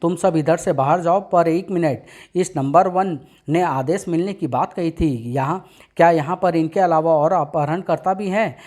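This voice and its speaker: A bold young superhero in a narrated comic story, which a man voices himself. He talks in a firm, commanding way, with the steady resolve of a hero facing danger. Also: a little high, moderate pace, close to an everyday voice. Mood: determined. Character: brave young male superhero, determined and bold.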